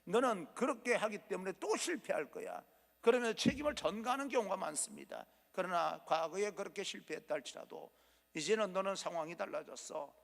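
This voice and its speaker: A man's voice: high-pitched, gravelly, fairly bright tone. A male pastor preaching a sermon in a church, earnest and encouraging, acting out quotes as he goes. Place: church sanctuary. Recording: long hall reverb.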